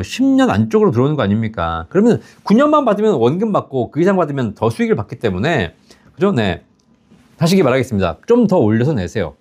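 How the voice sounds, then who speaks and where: This is a man in his fifties hosting a live pension advice stream. His voice is mellow and on the higher side, and his pitch swings widely as he talks. He reads viewer questions and answers them casually, laughing at his own anecdotes. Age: 50s. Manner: chatty, laughs at his own stories, asks "right?" often.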